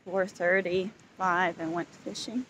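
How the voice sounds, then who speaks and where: A woman vlogging casually to a handheld camera at a beach campsite, talking in a relaxed, chatty way full of fillers and restarts. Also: lowish voice, a little slow, low-quality recording. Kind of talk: casual vlog chat to camera. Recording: outdoor noise in background.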